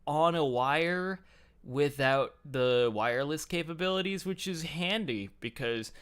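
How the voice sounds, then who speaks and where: A man's voice: on the high side, unhurried, fairly bright tone, clear, resonant tone. A man hosting a casual group chat on a livestream, talking in a rambling, jokey, self-deprecating way. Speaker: host of a fan livestream talk show. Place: home computer setup, online group call. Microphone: headset.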